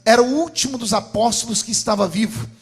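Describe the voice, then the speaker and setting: High-pitched preacher man, dramatic sermon. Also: quick pace, slightly rough, faint music behind. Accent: Brazilian Portuguese. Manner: dramatic storytelling, builds to shouting. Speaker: pastor.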